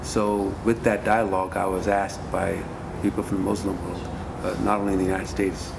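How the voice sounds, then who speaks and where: A man from Pakistan answering interview questions earnestly, halting often with fillers and repeated words. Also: deep voice, flat delivery, creaky, background noise. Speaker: guest musician.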